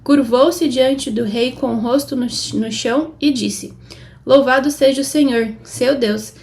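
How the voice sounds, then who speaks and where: Brazilian woman reading scripture, slightly gravelly. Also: high-pitched, steady tone, measured pace, darkish tone. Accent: Brazilian Portuguese. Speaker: Bible reader.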